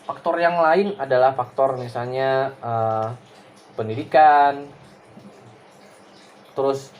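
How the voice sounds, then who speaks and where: A man's voice: mid-range voice, slow, highs cut off. A man giving a loose, conversational lecture to his class, full of fillers and tag questions, over a faint background hiss. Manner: casual and digressive, many fillers and tag questions. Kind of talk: recorded class explanation.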